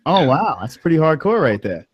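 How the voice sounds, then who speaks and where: A man's voice: on the high side, sing-song, moderate pace, husky, muffled recording. A man with a New York accent hosting a casual livestream interview, joking and laughing often. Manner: joking, laughs often, stumbles over words. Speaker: host.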